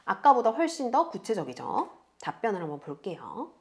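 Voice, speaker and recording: A woman's voice: a little high, very animated, fairly quick. A woman instructor patiently walking beginners through a tutorial step by step in a friendly way. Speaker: online instructor. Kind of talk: screen-recorded tutorial narration.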